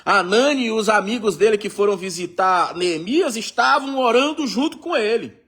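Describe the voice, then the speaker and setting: A man's voice: high voice, animated, moderate pace, fairly bright tone, breathy edge. A man preaching a sermon, reading scripture and acting out the dialogue for the congregation. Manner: reads scripture aloud and acts out the dialogue; addresses the congregation directly.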